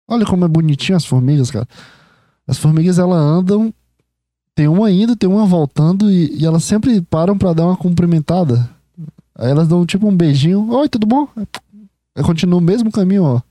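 Young man, podcast host, excitable and loose-tongued, mellow dark tone, dry close sound. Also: fairly high pitch, dry recording. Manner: excitable, talks to the listener directly, swears casually. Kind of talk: rambling casual monologue.

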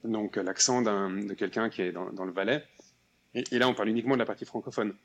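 A man from Geneva, Switzerland, with a Swiss French accent, chats casually as a podcast guest, sounding hesitant and restarting often. He speaks fast in a lowish, steady voice.

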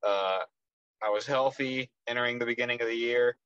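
A man's voice: medium pitch, brisk, clear, resonant tone, dry recording, lo-fi sound. Young Texan man, dry close sound. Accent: Texas. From Texas, USA. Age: 20s. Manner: relaxed, with frequent ums and restarts. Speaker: guest, professional soccer player. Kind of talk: casual interview answers.

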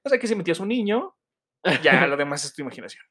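A man's voice: a little high, very animated, quick pace, pushed and bright. A man with a Mexico City accent co-hosting a casual podcast chat, trading playful banter. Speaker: podcast co-host.

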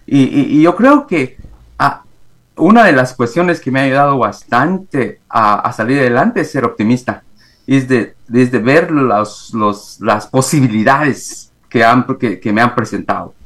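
Hombre guatemalteco, pausado y titubeante. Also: male voice, medium pitch, expressive, a bit bright. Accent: Guatemalan Spanish. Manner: halting, many fillers and restarts. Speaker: guest, executive coach. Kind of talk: remote interview, reflective storytelling. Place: home, in the morning.

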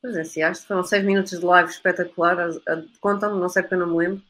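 A woman's voice: on the low side, fairly even intonation, fast, a bit bright, poor audio. A woman with a European Portuguese accent chatting casually as a livestream guest, rambling and repeating words as she stumbles along. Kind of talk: casual chat.

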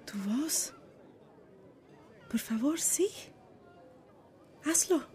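A woman's voice: high voice, animated, very slow, warm tone, some chatter behind, a little hiss or hum, heavily acted. A woman playing a choosy, dramatic young lady cockroach in an audio play, mixing Spanish into English. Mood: dramatic reacting. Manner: exclaiming, mixes Spanish into English. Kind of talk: audio theatre acting.

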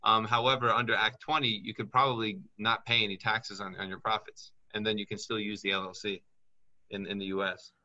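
A man's voice: fairly low pitch, flat delivery, brisk, bright, forceful tone, lo-fi sound. A man working as a business consultant, talking in a chatty way and thinking aloud as he reads up on things during a call. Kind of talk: casual advice call.

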